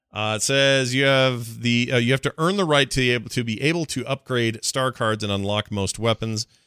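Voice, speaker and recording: In a dry, close sound with no echo, a man with a plain, everyday voice and medium pitch talks at a fairly quick pace, with ordinary pitch variation and hardly any pauses. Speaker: podcast host. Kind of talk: casual chat. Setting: live stream with chat room.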